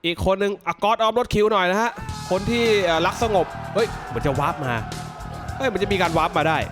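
A man speaks in a notably high voice over clearly audible music. He hosts a gaming video with excited commentary. His talk is full of exclamations as he reacts out loud to what happens in the game. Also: brisk. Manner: exclamatory, reacting aloud to the action.

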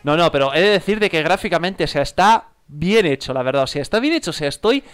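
A young man with a Spain Spanish accent gives excited, slangy gameplay commentary, repeating himself and laughing often at home. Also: a little high, fast, clear, resonant tone, soft background music. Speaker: gaming youtuber.

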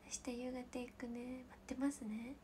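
A woman with a Kansai accent chatting casually with livestream viewers as the host, giggling often and slipping into soft whispered asides. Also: sits high, little pitch movement, unhurried, slight background noise. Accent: Kansai Japanese.

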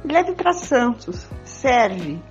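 A woman's voice: a little high, sing-song, extremely slow, full character voice. An older Brazilian woman playing a devoted, romantic, jealous sweetheart in an amateur radio drama. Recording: dull lo-fi audio with music.

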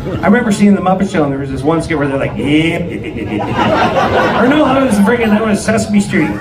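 A man's voice: high voice, animated, racing. A middle-aged man hosting a live comedy show, doing teasing standup comic crowd work and echoing people's answers. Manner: teasing, echoes the answers, mild swearing. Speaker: host of a live comedy contest. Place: small club stage, indoors, filmed from the audience. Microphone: handheld stage microphone through PA. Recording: echoey distant audience recording, loud crowd noise. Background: noisy laughing crowd.

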